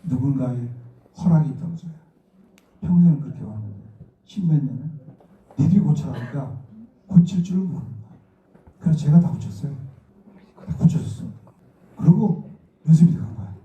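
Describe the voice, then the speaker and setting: A man's voice: on the high side, lively intonation, brisk, pauses often, mellow. A middle-aged man from Daegu with a Daegu accent, giving an informal, conversational lecture full of personal stories as a stage actor. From Daegu, South Korea. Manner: conversational, acts out remembered dialogue. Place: indoor lecture room, recorded from a distance. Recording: muffled, echoey room, distant mic.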